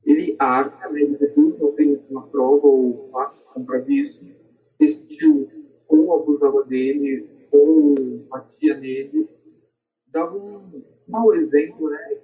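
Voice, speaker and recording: A man's voice: a little high, lively intonation, measured pace, vocal fry, dark tone. A Brazilian man explaining his points in a podcast discussion, recorded on a distant, dull lo-fi microphone. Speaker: podcast participant.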